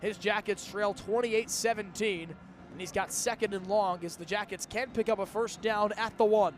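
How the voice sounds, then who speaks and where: High-pitched young man calling football. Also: fairly even intonation, moderate pace, faint music behind. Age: 20s. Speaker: play-by-play announcer. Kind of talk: live radio football play-by-play commentary. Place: outdoors at a college football stadium. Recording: outdoor stadium ambience, faint background noise.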